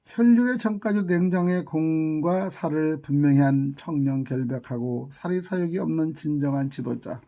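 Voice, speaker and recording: A man delivers a heated monologue in a scolding, lamenting tone, hurling insults and rhetorical questions. His voice is dark and mellow, yet raspy with fry, and sits somewhat high for a man. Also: normal speed, few pauses. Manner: scolding, indignant, hurls insults. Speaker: YouTube channel commentator. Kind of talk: impassioned political monologue.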